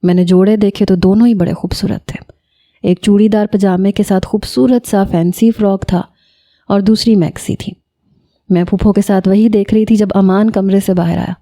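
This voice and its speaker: A woman reading a first-person romance story in a calm, measured manner. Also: mid-range voice.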